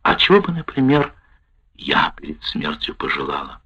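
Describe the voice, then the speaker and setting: A man reading a wartime memoir aloud in the first person, with a measured, expressive delivery. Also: a bass voice, husky. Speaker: narrator. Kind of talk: audiobook narration of a wartime memoir. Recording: dull lo-fi recording.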